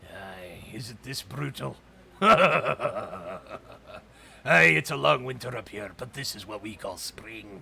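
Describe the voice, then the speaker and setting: A put-on character voice from a man, gruff, raspy and growling, at medium pitch and a fairly slow pace. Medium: actual play. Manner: mocking, gruff.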